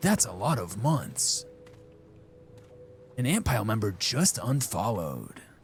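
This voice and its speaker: A man talks at a very slow pace. Behind him, music plays in the background. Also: long, frequent pauses. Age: 30s. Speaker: video game streamer. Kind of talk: casual live-stream chat while gaming. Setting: live stream, talking to chat. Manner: animated.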